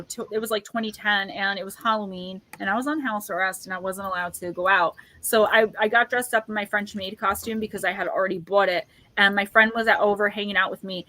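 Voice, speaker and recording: A woman's voice: medium pitch, sharp tone, low-quality recording. A woman hosting a casual livestream and tarot reading, talking in a chatty, rambling way with lots of "like". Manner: chatty, rambling, heavy use of "like". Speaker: livestream host and tarot reader. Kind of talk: casual live chat.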